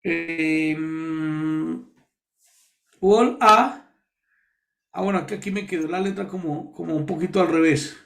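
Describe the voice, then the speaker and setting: A pastor from Colombia leading a Bible study, explaining words slowly and repeating key terms to his listeners. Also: a little high, vocal fry, fairly bright tone.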